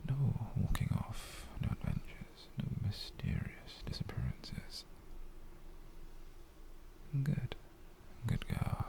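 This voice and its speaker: Male actor as British yandere lover, ASMR roleplay: slow half-whisper, coaxing, theatrical, clingy and quietly menacing. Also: fairly low pitch, huge pitch swings, vocal fry, full character voice. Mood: tender, clingy. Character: possessive, doting, menacingly sweet yandere boyfriend.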